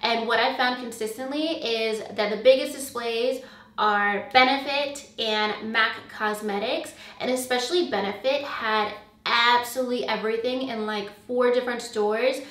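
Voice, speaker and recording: Speaking casually to camera, an American beauty vlogger chats away in an echoey room, leaning on fillers such as "um" and "like." Her young voice is a little high and fairly bright, with fairly even intonation and normal speed. The mic is distant, picking her up slightly off-axis.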